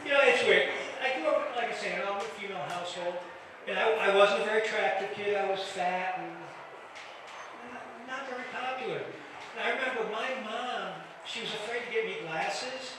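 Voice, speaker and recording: A man's voice: high voice, fairly quick. A middle-aged or older man from the Detroit area doing a stand-up set, stammering through restarts and teasing the crowd. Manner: self-deprecating, stammering restarts, banters with the crowd. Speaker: stand-up comedian. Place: comedy club stage. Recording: echoey club from far off, crowd noise.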